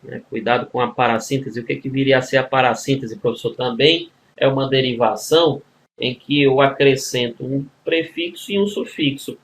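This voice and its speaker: A man's voice: mid-range voice, fairly even intonation, normal speed, slight background noise. A man with a Brazilian Portuguese accent teaching a grammar lesson for exam preparation, walking through questions step by step and checking with the students as he goes. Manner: explains step by step, with constant tag questions; addresses students as a group. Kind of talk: recorded exam-prep video lesson.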